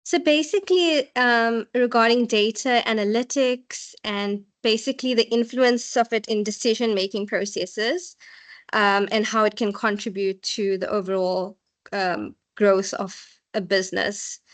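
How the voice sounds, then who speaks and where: A woman's voice: medium pitch, a little slow. A woman, talking informally as a student presenting her research idea to a lecturer.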